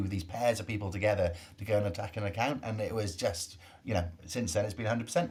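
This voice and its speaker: A man's very fast, somewhat breathy speech at fairly low pitch, with a British accent. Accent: non-US accent, British. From UK. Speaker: startup CEO. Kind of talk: interview. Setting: video call.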